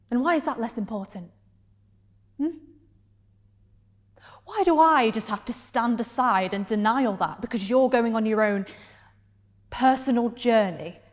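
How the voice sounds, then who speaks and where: A woman performing a dramatic stage monologue as a hurt, defiant gay woman confronting her partner, deliberately and with heavy pauses. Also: a little high, expressive. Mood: pained, pleading.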